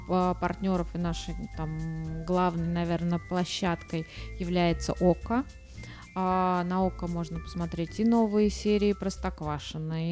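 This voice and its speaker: A woman's voice: fairly low pitch, darkish tone. A woman giving an informative answer as an interview guest. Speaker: animation studio executive, interview guest.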